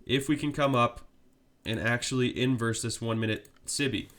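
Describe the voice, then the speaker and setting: This man's medium-pitched voice moves at a normal speed, thick with the congestion of a cold. He streams live market commentary in a steady, explanatory way, regularly tossing in "right?" to check in.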